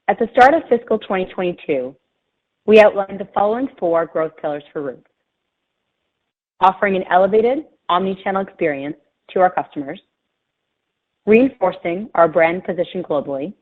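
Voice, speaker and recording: Female executive, lower-pitched, formal scripted corporate read, telephone-quality audio. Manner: formal, measured corporate reading. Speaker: company chief executive. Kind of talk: scripted earnings presentation. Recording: narrow phone-line sound.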